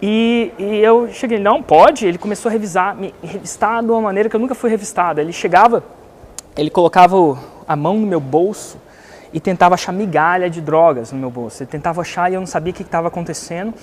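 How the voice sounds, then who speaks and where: Speaking fast in a high-pitched voice, a Brazilian online business coach with a Brazilian Portuguese accent tells a lesson-driven story with lots of animation. He performs the other characters' voices himself, and slight background noise can be heard.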